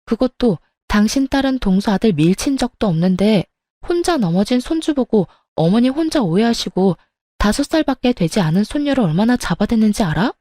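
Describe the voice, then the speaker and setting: A woman's voice: fairly high pitch, lively intonation, brisk, dark tone, no echo, clean studio sound. A woman narrating a true-life family story in first person, fierce in her own angry retorts.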